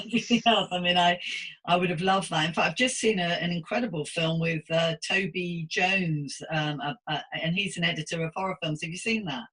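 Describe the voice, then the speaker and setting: A woman's voice: on the low side, fairly bright tone, breathy edge, poor audio. A middle-aged British woman hosting a conversational interview, chatty and empathetic as she asks questions. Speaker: podcast host and interviewer.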